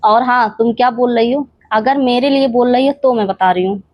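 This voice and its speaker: A woman's voice: fairly high pitch, a little fast, dry recording, lo-fi sound. Fiery woman scolding a rival on camera. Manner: confrontational, scolding an absent rival directly; rhetorical questions and repeated challenges. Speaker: reaction channel creator. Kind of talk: heated reaction monologue to camera.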